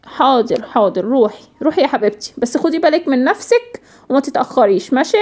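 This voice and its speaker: A woman doing a gentle Egyptian cartoon mother. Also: high voice, animated, quick pace. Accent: Egyptian Arabic. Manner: soothing, patient, affectionate. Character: gentle caring mother of a young girl.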